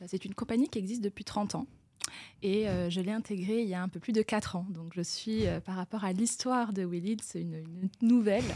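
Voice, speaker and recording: A woman's somewhat breathy voice at medium pitch and a fairly quick pace. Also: ordinary pitch variation. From southwestern France, Bayonne. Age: 30s. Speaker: life insurance sales manager. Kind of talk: podcast interview. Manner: hesitant, many fillers.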